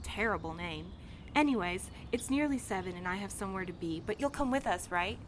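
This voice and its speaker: A woman's voice: medium pitch, lively intonation, fairly quick, slight background noise, natural voice. A woman playing a direct, matter-of-fact mail carrier in an audio drama. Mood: direct, inviting. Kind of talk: naturalistic audio drama dialogue.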